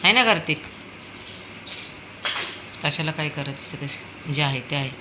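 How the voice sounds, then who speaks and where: A woman's voice: low voice, expressive, unhurried. A woman chatting at home, fondly scolding a small child and coaxing a pet dog. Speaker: dog owner filming at home. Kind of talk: casual home video chat. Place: home indoors with a fan. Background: fan noise and a dog.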